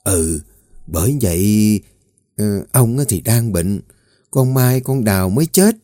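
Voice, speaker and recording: A man voicing an older woman cook who mutters gossip in a low, hushed voice. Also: animated, slow pace, no echo, clean studio sound. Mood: worried.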